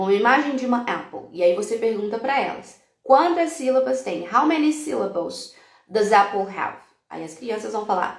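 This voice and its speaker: A woman's voice: mid-range voice, reverberant. A woman teacher from Brazil giving a live-stream talk to other teachers, explaining classroom activities step by step and dropping in English example words.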